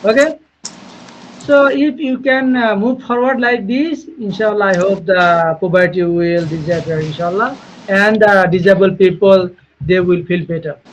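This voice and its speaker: Researcher from Bangladesh, male, high-pitched, earnest and repetitive, dull webinar audio. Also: steady tone, unhurried, slight background noise. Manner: earnest, repetitive phrasing with frequent "okay" and "you know". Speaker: guest speaker, researcher. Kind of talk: webinar Q&A answers. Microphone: video call.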